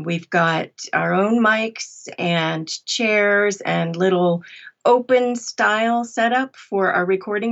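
A woman's voice: medium pitch, a bit bright, muffled recording. A middle-aged woman speaking conversationally as an interview guest about her work. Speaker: interview guest, audiobook narrator.

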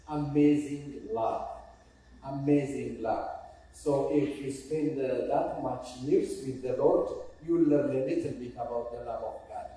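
A man from Ethiopia with an Ethiopian accent, preaching a sermon as a guest pastor, halting and pausing often, repeating key phrases. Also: mid-range voice, dark tone. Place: church sanctuary. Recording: echoey church hall, mic at a distance.

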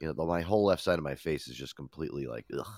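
Brief: very low-voiced male radio host with a head cold, rambling and swearing, dry sound. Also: lively intonation, very fast, a little mellow, no echo. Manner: swears often, laid-back rambling. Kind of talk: casual profane chat.

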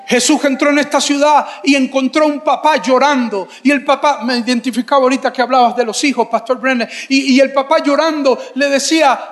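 High-voiced preacher man in his forties. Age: 40s. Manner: animated preaching that rises to shouts. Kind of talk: sermon. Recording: long hall reverb with faint music.

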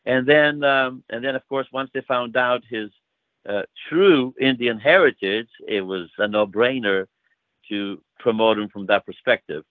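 Steady in tone and measured in pace, a medium-pitched older man with a Greek accent recounts stories as a wrestling promoter in an informal interview. His warm storytelling is thick with fillers, recorded dry over a tinny phone line.

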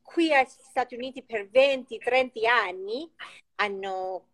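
A woman who grew up in the United States, speaking halting Italian with an American English accent as an interview guest, searching for words and slipping into English. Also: on the high side, fairly bright tone. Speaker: guest, chef and cookbook author.

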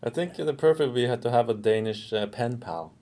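A man's voice: medium pitch, brisk, mellow. A man co-hosting a podcast in English, easygoing and dryly teasing his co-host. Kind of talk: casual chat.

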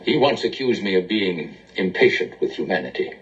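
An actor playing a grave male alien visitor who judges humanity, in a solemn, measured 1970s TV drama delivery. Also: sits low, very animated, low-quality recording. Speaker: space visitor.

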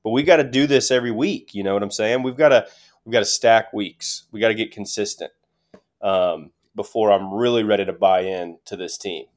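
Lower-voiced man giving punchy sports takes. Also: brisk. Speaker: sports podcast co-host. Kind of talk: casual sports commentary.

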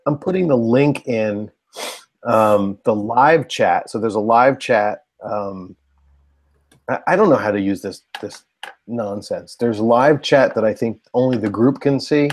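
A man's voice: medium pitch, unhurried. A man in his mid-forties co-hosting a podcast, rambling casually with stammered restarts. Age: 40s. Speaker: podcast co-host. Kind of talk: casual chat.

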